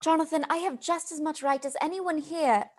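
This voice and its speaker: A high, composed voice of a well-bred young wife in a radio play, acted by a woman. She is kind and polite, yet resolute, with formal phrasing. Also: moderate pace, natural voice. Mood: indignant. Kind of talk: live radio play acting.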